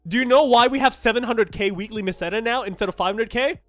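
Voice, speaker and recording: A young Thai gaming streamer, whose first languages are Thai and Japanese, reacts casually to game news. His voice is very high and a bit bright, he talks fast, and his chatty, blunt style is packed with fillers and restarts over soft background music.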